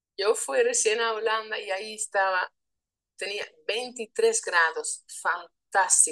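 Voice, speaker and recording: A woman speaking very slowly with a Dutch accent, in a dry, close sound with no echo. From Netherlands. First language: Dutch (speaking Spanish). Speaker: Dutch language teacher. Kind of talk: casual interview.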